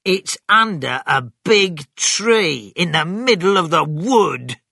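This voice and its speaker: A storybook narrator voicing an angry, excitable male farmer with a barking, forceful manner. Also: mid-range voice, slow, no room sound, studio quality, exaggerated voice. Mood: eager, excited. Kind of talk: children's storybook character voice.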